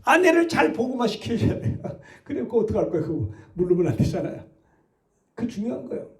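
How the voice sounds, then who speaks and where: Man, pastor, very high pitch; emphatic sermon delivery pressing the congregation with questions. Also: big pitch swings, quick pace. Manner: emphatic preaching with rhetorical questions.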